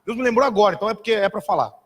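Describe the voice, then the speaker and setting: A man preaching a sermon as a pastor, telling a story in an animated, dramatic way and mimicking other voices. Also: sits high, racing. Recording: reverberant hall.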